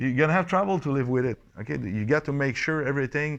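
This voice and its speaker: A man speaks in a Quebec accent at a medium pitch with ordinary pitch variation. The background is quiet. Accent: French Canadian accent in English. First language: French. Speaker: neurotherapy instructor. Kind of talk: interview. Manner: halting.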